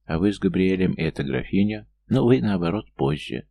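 A man reading an audiobook voices an anxious, earnest young woman in a soft, pleading way. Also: low-pitched, animated, brisk, creaky, heavily acted.

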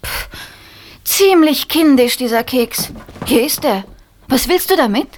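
A woman's voice: sits high, lively intonation, unhurried, a little mellow, faint music behind. Prankster schoolgirl. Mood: dismissive. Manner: confident, scheming. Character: prankster schoolgirl, bold ringleader. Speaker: Jenny, boarding-school girl. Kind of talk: children's radio play acting.

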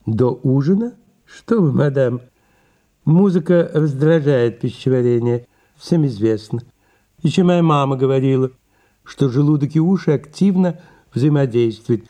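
A man's voice: medium pitch, animated, measured pace, warm tone, close to an everyday voice. A man doing a prim, pedantic secretary. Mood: fussy. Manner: lecturing, prim and officious. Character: fussy, pedantic male secretary, endlessly talkative. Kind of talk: audio drama acting.

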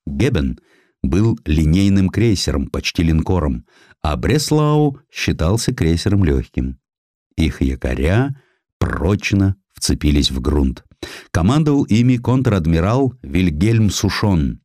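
A man narrating a scripted historical essay as an audiobook, telling it in an expressive, measured, literary manner. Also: low-pitched, no room sound, clean studio sound. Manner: expressive, measured storytelling delivery.

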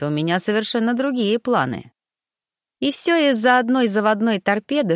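A woman narrating a first-person story aloud, reading a gruff man's thoughts with expression. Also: medium pitch, no echo, clean studio sound. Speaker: audiobook narrator.

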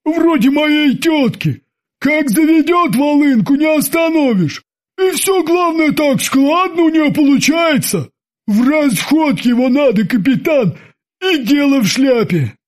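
A narrator voicing a grumbling sailor who loudly urges that the prisoner be done away with. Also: high voice, expressive, a little slow, voice pushed up. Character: grumbling, bloodthirsty male sailor.

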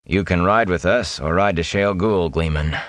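A man doing a curt, gruff warrior. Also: sits low, normal speed, dry recording, natural voice. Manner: curt, impatient. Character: stern, gruff adult male warrior.

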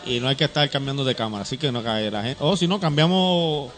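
A man's voice: medium pitch, fast, fairly bright tone, soft background music. A man co-hosting a Christian program, talking casually and explaining things with plenty of fillers. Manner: chatty and explanatory, many fillers. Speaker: co-host. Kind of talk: casual church talk-show chat.

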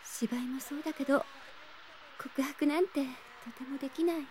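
A woman's voice: high voice, steady tone, normal speed, heavy background noise, natural voice. A woman playing a shy, timid teenage schoolgirl in an audio drama, polite and hesitant. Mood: nervous, longing. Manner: hesitant, softly formal, apologetic. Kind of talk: Japanese audio drama acting.

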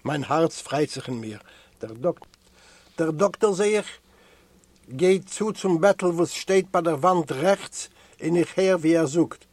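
A man from Eastern Europe reading a first-person memoir aloud in a measured storytelling way. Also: fairly high pitch, lively intonation, darkish tone, husky, no echo. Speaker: audiobook reader.

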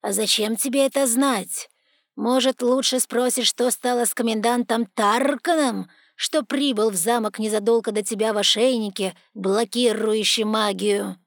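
A woman voicing a proud, sardonic male talking raven with a hoarse, croaking voice and a slow, cold, mocking manner. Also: a little high, steady tone, no room sound, studio quality, natural voice. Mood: curt, aloof. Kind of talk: audiobook character voice.

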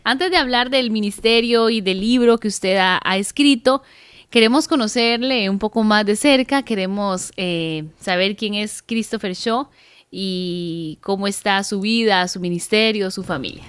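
A woman's voice: mid-range voice, unhurried, clean tone. A woman hosting a radio interview, welcoming her guest and asking questions in a friendly, encouraging way.

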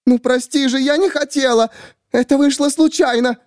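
A man's voice: high-pitched, normal speed, warm tone, no room sound, voice pushed up, close to an everyday voice. A man voicing a jealous, unhinged young woman who holds a gun and swings between shrieking fury and deluded pleading, in a dry, close recording. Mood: frantic pleading. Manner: hysterical, volatile, shrieking.

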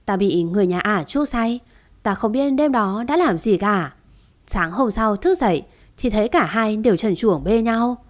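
A woman's voice: medium pitch, expressive, moderate pace, natural voice. Storybook read: older family patriarch, earnest; woman narrator reads it plainly. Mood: defensive. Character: older man, wealthy family head, pleading.

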